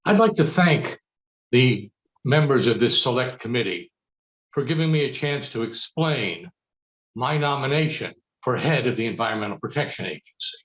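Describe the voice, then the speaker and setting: Animated American man telling a tall tale. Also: medium pitch. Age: middle-aged. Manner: mock-earnest, dramatic delivery with pauses. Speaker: speech contest speaker. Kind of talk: theatrical comic storytelling speech. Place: book-lined room at home. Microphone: video call. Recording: roomy, echoing video call.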